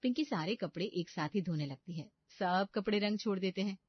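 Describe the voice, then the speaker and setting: A woman's voice: mid-range voice, moderate pace, husky, no room sound. A woman giving scripted storytelling narration for a cartoon. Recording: dull lo-fi dry recording.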